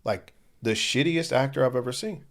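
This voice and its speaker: At a moderate pace, a young podcast co-host chats casually in a gravelly, mid-range voice. His manner is laid-back and slangy, peppered with jokey asides.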